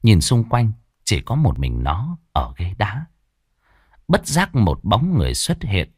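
A man narrating a story in a steady, expressive way. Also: on the low side, slow pace, husky, no room sound, clean studio sound.

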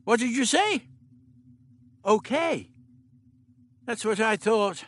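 A man voicing a fussy, absent-minded elderly male doctor who talks in an old-fashioned, brisk way and stammers now and then. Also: sits high, animated, a bit bright, pitched above the performer's own voice, heavily acted. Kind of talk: audiobook character reading.

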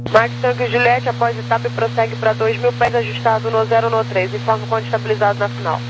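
A woman's voice: a little high, little pitch movement, quick pace. A Brazilian woman working as an air traffic controller, giving clipped instructions over a radio transmission. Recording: muffled, noisy aviation radio with hum.

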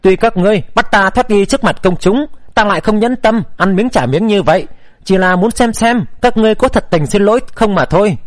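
Teasing young nobleman, light high voice, a male narrator plays him, dry close sound. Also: brisk, no echo, lightly acted. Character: young nobleman, wry and teasing, stern at times.

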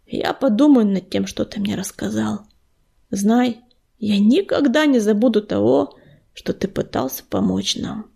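An earnest young male cat who leads his clan, voiced by a woman reading a children's story. He speaks softly, often dropping to a hush, in a husky, slightly gravelly voice. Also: mid-range voice, unhurried, heavily acted. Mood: grateful. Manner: soft, grateful, often hushed.

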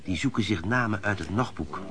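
Actor as wry, streetwise old-hand lodger. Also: male voice, on the low side, fairly quick, fairly bright tone, lightly acted. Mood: confiding. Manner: colloquial, wry, confiding. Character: knowing, streetwise veteran lodger showing a newcomer around. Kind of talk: Dutch radio play acting.

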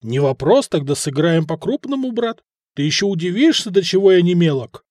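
A blunt, hungry Arab merchant, voiced by a male reader, in a storybook reading. His gruff, plain speech rises and falls in a lively way. The recording is dry and close. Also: sits high, a little fast, no echo. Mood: grumbling.

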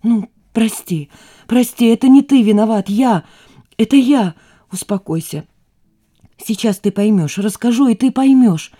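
A woman voicing a weary, distraught mother in an audiobook, her lines going from tired murmurs to shouting. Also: mid-range voice, normal speed, natural voice. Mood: pleading.

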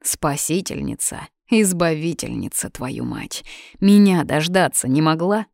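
A weary young man, sarcastic and sighing, as a woman reader puts him on. His lines stay dry and low, barely lifted from the narration. The sound is close with no room around it. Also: expressive, measured pace, creaky, darkish tone, no room sound, full character voice. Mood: exasperated.

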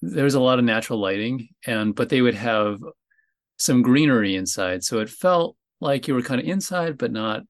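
A man from New Jersey, a guest on a podcast, talking casually and haltingly, often pausing to find his words. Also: mid-range voice. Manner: relaxed, hesitant, searching for words. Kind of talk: casual chat.

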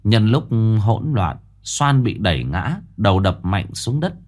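A man narrating a ghost story in an expressive storytelling manner. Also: lowish voice, a little slow, breathy edge.

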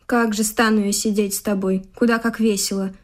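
An actress playing a discontented, frivolous young wife in a classic Russian radio comedy, with a pouty, scornful and stubborn manner. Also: female voice, medium pitch, little pitch movement, a little fast, lightly acted. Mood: petulant, scornful. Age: young adult. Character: discontented, petulant, frivolous young wife craving fashion and comfort.

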